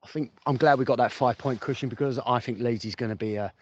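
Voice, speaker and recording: A quick-talking man with a mid-range voice gives casual football fan reactions, chatting, thinking aloud and repeating phrases for emphasis. He's recording informal commentary for a fan podcast on a phone voice message, which comes out muffled and lo-fi, with noise and clicks.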